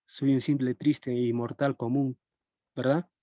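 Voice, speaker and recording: A man's voice: mid-range voice, little pitch movement, measured pace, mellow, no room sound, muffled recording. A young man teaching a live-streamed philosophy class in a conversational way, often checking in with his students. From Peru.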